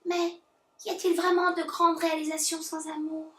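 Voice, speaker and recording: A woman's voice: extremely high pitch, little pitch movement, moderate pace, recorded from a distance, voice pushed up. Woman doing a sugary heart chakra spirit. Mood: syrupy. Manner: sugary, soft-spoken, preachy and loving. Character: gushing, syrupy heart chakra spirit, female. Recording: roomy echo.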